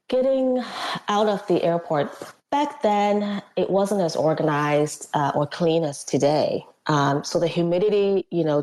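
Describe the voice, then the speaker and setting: A woman recounts her experiences in a casual interview. Her voice sits a little low, and she tells things with animation, slipping into little acted quotes and laughter between fillers. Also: darkish tone, low-quality recording. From Hong Kong. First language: Cantonese. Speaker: guest, former missionary.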